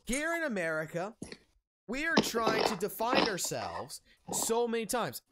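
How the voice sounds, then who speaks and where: A man's voice: sits high, huge pitch swings, a little slow, very noisy. A man in his thirties ranting on stream in an open discussion, heated and profane, restarting his sentences often. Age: 30s.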